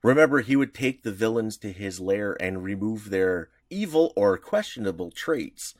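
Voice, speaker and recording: Deep-voiced man with a dry close sound. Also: lively intonation, normal speed, no room sound. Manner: laughs often, chimes in with short agreements. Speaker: podcast co-host. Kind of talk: casual chat about comic history.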